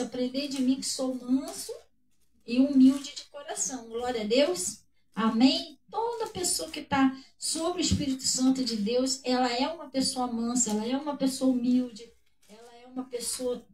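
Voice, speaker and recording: A woman's voice: high voice, slight background noise. A woman with a Brazilian Portuguese accent, speaking in a casual podcast chat about faith in a preacherly way, repeating her words. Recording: echoey room, voice from a distance.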